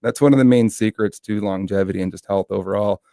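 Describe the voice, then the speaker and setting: A man's voice: lowish voice, fast talker, gravelly, warm tone, no room sound, studio quality. A man who owns a natural foods store, speaking as a radio guest and earnestly explaining health topics. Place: radio studio.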